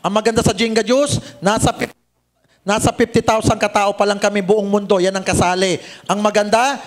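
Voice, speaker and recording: A man presenting a networking business plan to a live audience, cracking jokes and teasing listeners with quick questions. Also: sits high. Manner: joking, teasing the audience, asks "Tama?" often. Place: seminar room with audience.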